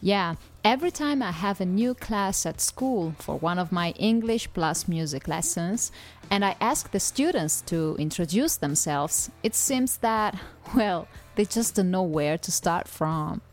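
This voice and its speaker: A woman's voice: fairly low pitch, lively intonation, unhurried, soft background music. A woman hosting an English-learning podcast, talking in an upbeat, teacherly way. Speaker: podcast host.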